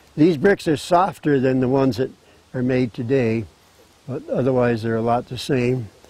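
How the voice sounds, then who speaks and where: A man speaks in a dark, mellow tone with ordinary pitch variation. The sound is dry, with no echo. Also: moderate pace. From Springfield, Vermont; Vermont. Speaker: local historian and restoration volunteer; local history guide. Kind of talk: guided tour. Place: open country.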